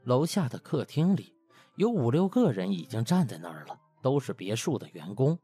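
Guy reading a comic novel, super animated, bit raspy, soft music behind. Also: mid-range voice, moderate pace. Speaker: audiobook narrator. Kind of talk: lively scripted novel narration.

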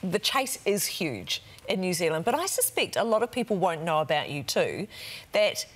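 Female co-host, lower voice, very animated, teasing. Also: moderate pace. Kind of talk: studio interview.

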